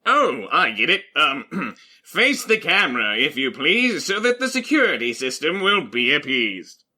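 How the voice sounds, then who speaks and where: A man playing an excitable, blunt companion on a fantasy quest, speaking theatrically in an audio drama. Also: on the high side, a little slow, exaggerated voice. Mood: excited. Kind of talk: scripted audio fiction acting.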